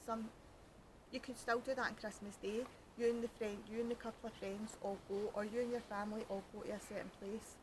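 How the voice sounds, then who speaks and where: A woman from Scotland with a Glaswegian accent hosts a podcast out by a canal at night, where it's cold enough to freeze her fingers; her chat rambles, jokes and turns self-mocking. She speaks fairly quickly in a level, mid-range voice amid background noise.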